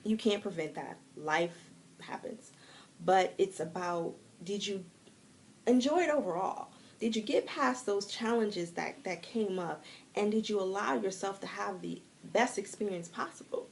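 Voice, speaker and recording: Encouraging woman with a gravelly edge. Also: mid-range voice, unhurried. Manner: encouraging, animated, laughs lightly. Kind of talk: live-streamed motivational talk. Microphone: phone mic.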